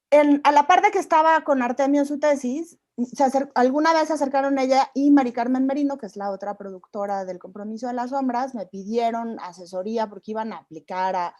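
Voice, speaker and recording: A woman, a film producer speaking in a relaxed, reflective way with many restarts. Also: fairly high pitch, no echo. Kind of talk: conversational talk at a seminar.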